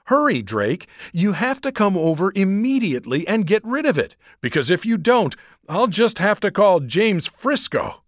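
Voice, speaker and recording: A man voicing a frantic, talkative fifth-grade girl who rushes her words breathlessly. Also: medium pitch, sing-song, no echo, studio quality, pitched above the performer's own voice.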